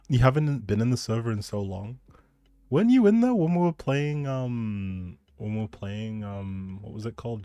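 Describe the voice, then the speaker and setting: A man's voice: on the low side, mellow, no echo. A man chatting casually with viewers as a live game streamer, in a laid-back, informal and reassuring way. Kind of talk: casual livestream chat with viewers.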